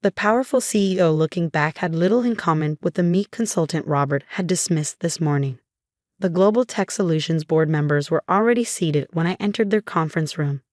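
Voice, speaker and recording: Woman narrating a story in a low, dry voice. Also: a little fast, a little mellow, dry recording. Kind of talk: scripted first-person story narration.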